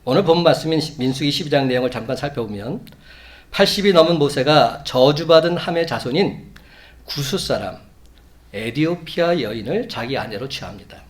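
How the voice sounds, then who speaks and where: A man preaching a Sunday sermon as a pastor, measured, building to emphatic peaks. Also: mid-range voice, lively intonation. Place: church sanctuary.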